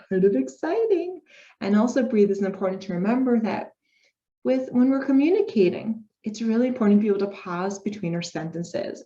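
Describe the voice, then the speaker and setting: A woman's voice: mid-range voice, dark tone. A woman giving an informal speech therapy lecture, upbeat and explaining step by step with spoken demonstrations. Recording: dull lo-fi recording.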